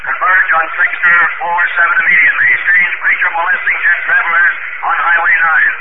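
A man's voice: fairly high pitch, steady tone, a little fast, lightly acted. A man playing a clipped radio dispatcher. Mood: urgent. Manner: clipped, official. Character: male police radio dispatcher, brisk. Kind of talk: 1950s radio drama acting. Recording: tinny, very hissy old radio recording.

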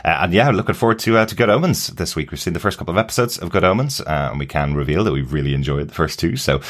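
A man's voice: deep voice, lively intonation, quick pace. A man hosting a podcast, making announcements and introducing the discussion in a casual, conversational way. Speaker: podcast host.

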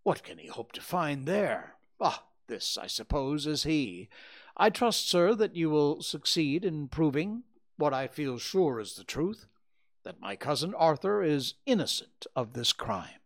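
A man doing a high, anxious young lady, breathless and pleading, for a storybook reading. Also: big pitch swings, measured pace, heavily acted. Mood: earnest. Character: anxious earnest young woman, gentle.

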